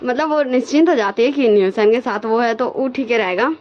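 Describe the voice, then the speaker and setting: A woman's voice: a little high, brisk. A woman casually retelling a story as its storyteller, in a chatty, explaining way. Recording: lo-fi recording.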